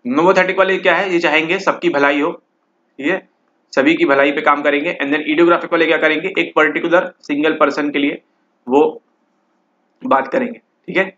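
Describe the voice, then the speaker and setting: A man's voice: a little high, steady tone, moderate pace, pushed and bright. Man, exam prep teacher, talks through questions, checks in often, slightly dull recording. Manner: repeats "ठीक है" constantly, mixes English and Hindi.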